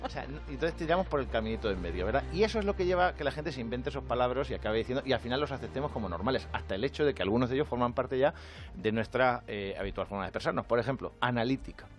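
Fast-talking Spanish radio comedian. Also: male voice, mid-range voice, faint music behind. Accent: Spanish from Spain. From Spain. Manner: animated, jokey, acts out quoted voices. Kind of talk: comic radio monologue. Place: radio studio.

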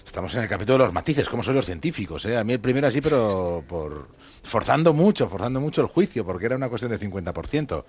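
A man's voice: on the low side, big pitch swings, fast, darkish tone, slightly rough. A man, co-hosting a radio show and asking wry questions. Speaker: radio co-host. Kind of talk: casual studio chat.

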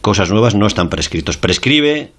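A man's voice: lowish voice, big pitch swings, moderate pace, fairly bright tone. A man in a radio discussion, explaining a case with frequent fillers.

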